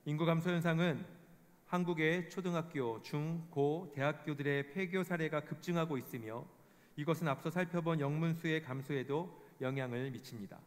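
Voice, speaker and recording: A man giving a formal scripted report, reading statistics in a measured way. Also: a little high. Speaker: presenter of a report. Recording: long hall reverb.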